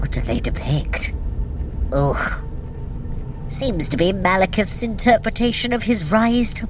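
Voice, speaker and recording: Imperious, squeamish trickster deity for audio adventure: dry sarcasm, unhurried pace, theatrical swings in pitch. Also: female voice. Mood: disdainful. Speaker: story guide in a running workout. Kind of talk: scripted audio adventure acting, addressing the listener.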